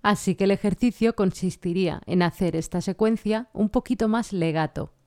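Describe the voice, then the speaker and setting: A woman vocal coach explaining singing technique in a clear, patient way. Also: medium pitch, normal speed, darkish tone. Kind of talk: singing lesson with sung vocal examples.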